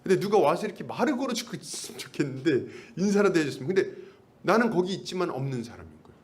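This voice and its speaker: A male pastor delivers a sermon in a chatty tone, often asking the congregation rhetorical questions. His pitch sits a little high for a man and moves up and down a lot, and he slips into acted-out snippets of everyday talk. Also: very animated, very fast. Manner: conversational, acts out little dialogues.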